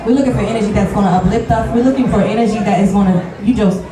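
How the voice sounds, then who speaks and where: A woman in her thirties hosting a live stage panel, giving animated, preachy encouragement to the audience. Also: mid-range voice, rapid-fire. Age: 30s. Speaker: host. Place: large hall with live audience. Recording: echoey hall, distant mic, crowd.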